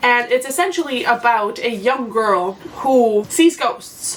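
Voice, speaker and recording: A woman with a Canadian accent speaks over noticeable background noise. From Canada. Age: 20s. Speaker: book YouTuber. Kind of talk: casual talk to camera.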